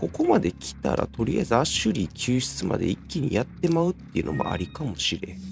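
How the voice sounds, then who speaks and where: A man speaks with a Kansai accent. There is noticeable background noise. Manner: half-hearted, uneven intonation.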